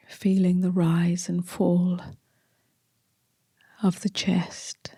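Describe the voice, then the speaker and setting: A woman guides a meditation in a soft, very breathy voice. Her delivery is gentle and hushed, staying on a narrow, even pitch. She moves very slowly, leaving long pauses between short phrases. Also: no room sound, clean studio sound. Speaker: meditation teacher.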